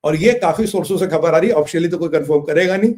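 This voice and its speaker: Casting: male host of a political commentary show, sarcastic and theatrical, higher-pitched voice. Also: quick pace, darkish tone. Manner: mocking, theatrical, acts out quotes.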